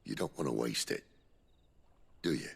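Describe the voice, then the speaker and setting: An actor playing a gruff, wry middle-aged rebel leader with a husky, commanding voice in a video game. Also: male voice, animated, moderate pace, exaggerated voice. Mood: wry, persuasive. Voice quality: very deep, gravelly, husky. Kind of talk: cinematic game cutscene acting.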